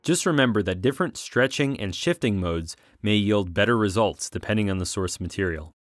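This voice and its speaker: Low-voiced man narrating a tutorial. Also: lively intonation, a little fast, no echo, faint music behind. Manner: clear step-by-step explaining. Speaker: tutorial instructor. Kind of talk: scripted software tutorial narration.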